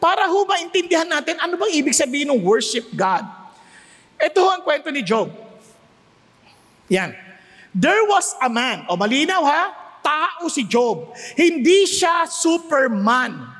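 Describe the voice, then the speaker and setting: A man with a Filipino accent preaches a sermon, switching between Tagalog and English while joking animatedly with the congregation. His voice is extremely high-pitched, his pace measured, and he pauses often. A long hall reverb colors the recording.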